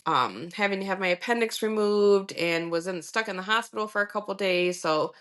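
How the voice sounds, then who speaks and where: A woman's voice: medium pitch, a little fast, fairly bright tone. A woman in her forties talking through family life as a podcast guest, reflective and full of fillers. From Michigan. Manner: reflective, many fillers like um and you know. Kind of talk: casual interview conversation.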